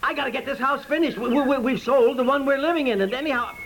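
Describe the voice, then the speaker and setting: An actor playing a flustered, exasperated husband who tends to stammer and protest, in 1950s radio comedy style. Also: male voice, extremely high pitch, fast talker, fairly bright tone. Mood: flustered dismay. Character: exasperated, flustered husband stuck with a delayed house project. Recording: noisy vintage 1950s radio recording.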